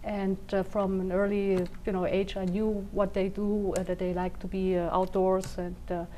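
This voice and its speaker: A woman's voice: medium pitch, level tone, normal speed, mellow, a little hiss or hum. A woman from Venezuela speaking as a geologist on a panel, hesitant and full of fillers. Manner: hesitant, many fillers and restarts. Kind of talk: panel discussion.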